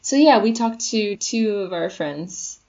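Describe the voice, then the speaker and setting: A woman's voice: medium pitch, animated, a little slow, mellow, muffled recording. A woman co-hosting a podcast in a chatty, casual way, retelling stories and quoting people. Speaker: podcast co-host. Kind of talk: casual chat. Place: Shenzhen.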